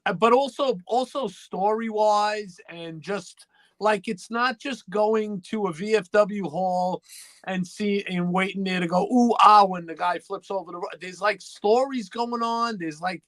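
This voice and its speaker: A man's voice: high voice, unhurried, no echo. A man hosting a casual interview, rambling his way toward each question. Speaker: host, interviewer. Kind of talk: casual chat.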